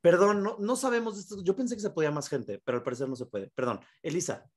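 A man's voice: on the high side, quick pace. A man co-hosting a live podcast, chatting in a playful, self-mocking way. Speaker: podcast co-host.

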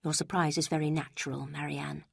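A pompous, self-important gentleman from a storybook reading, put on by a woman narrator. He talks gravely in a lowered, breathy half-whisper. The sound is husky and dry. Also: level tone, brisk, no echo, full character voice. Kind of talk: audiobook character reading.

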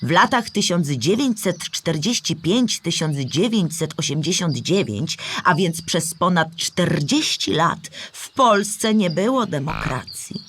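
A sweet old granny animal for a kids audio story, bit husky, patient teacher type. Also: female voice, on the low side, expressive, unhurried, hardly any pauses, fairly bright tone, full character voice. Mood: patient, explaining. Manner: patient, clear explaining in simple words. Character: kindly old female storybook animal, born 1918, patient history teller. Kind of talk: animated children's radio play, scripted explaining.

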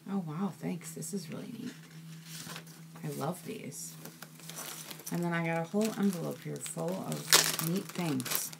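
A woman's voice: low-pitched, measured pace, creaky, pauses often, heavy background noise. A woman chatting casually as she unpacks craft mail, gushing with "ooh" and "so cute" at every item. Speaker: crafting vlogger. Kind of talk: casual unboxing chat.

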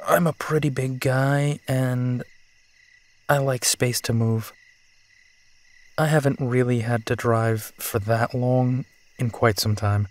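A man's voice: medium pitch, darkish tone, lightly acted. A man playing a big, tired, protective werewolf detective in an intimate, conversational audio drama, with a musing, sighing manner. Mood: relaxed, weary. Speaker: voice actor in audio roleplay.

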